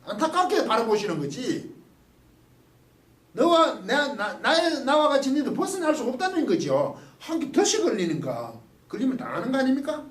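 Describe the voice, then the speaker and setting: A man giving a lively Bible study lecture, asking the class questions and acting out quotes. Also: very high-pitched, normal speed. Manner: animated, asks the class questions, acts out quotes. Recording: roomy, mic at a distance.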